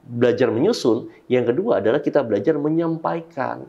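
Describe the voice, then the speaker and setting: A man's voice: medium pitch, a little fast, creaky, warm tone, dull audio. A man, a public speaking coach explaining his method point by point in an interview, often repeating phrases to demonstrate emphasis.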